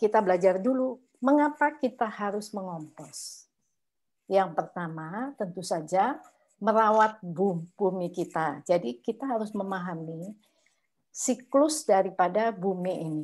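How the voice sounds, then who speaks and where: With lively intonation, a woman talks at a fairly slow pace. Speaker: community composting co-founder; webinar presenter. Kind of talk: presentation on composting. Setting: video call. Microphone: video call.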